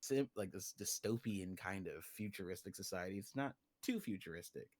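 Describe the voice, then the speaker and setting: A man's voice: low-pitched, animated, normal speed, a little mellow, no room sound. A man in a casual livestream chat, explaining a fictional story world in an informal, joking way. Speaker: guest, creator of an original story universe.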